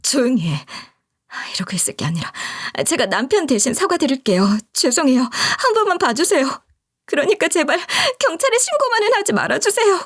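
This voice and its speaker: A stunned wife scolds and pleads in urgent, rising tones, played by a woman narrator. The voice is high and lively. It is a story radio reading. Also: normal speed. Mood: reproachful. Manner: urgent, reproachful. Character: shocked wife confronting her lying husband.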